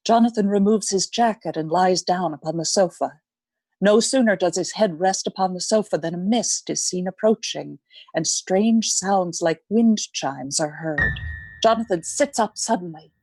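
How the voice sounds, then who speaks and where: A woman reading scripted narration for a radio play in a measured, dramatic way. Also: fairly low pitch, darkish tone, dry recording. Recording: close, dry, faint music behind.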